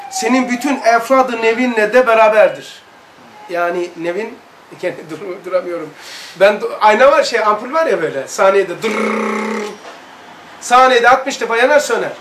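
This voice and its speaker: A man leading a religious study circle, earnestly recounting a personal experience and reading aloud, acting out sounds with emphatic, drawn-out words. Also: high voice. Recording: echoey room, distant mic, light noise.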